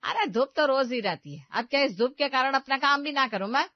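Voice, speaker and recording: A woman's voice: sits high, lively intonation, a little fast, no echo, pitched above the performer's own voice. A woman playing a bossy, scolding mother-in-law. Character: sharp-tongued stingy older mother-in-law. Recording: dry, dull lo-fi sound.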